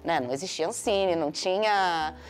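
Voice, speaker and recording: A woman's voice: fairly low pitch, moderate pace. A woman in her forties, an actress guest on a panel, talking reflectively with many fillers. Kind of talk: casual panel talk.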